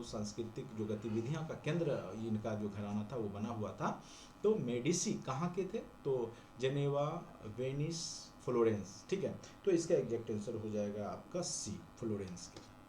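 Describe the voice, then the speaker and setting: A man's voice: mid-range voice, a little mellow. A man with an Indian accent teaching an exam-prep class in question-and-answer style, repeating points for emphasis. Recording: echoey room with noticeable background noise.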